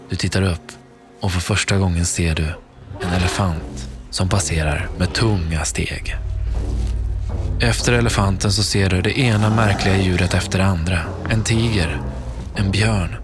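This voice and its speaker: Male narrator, low voice, slow hushed dramatic reading, music bed underneath. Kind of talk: second-person scripted audio story narration. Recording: narration over clear background music.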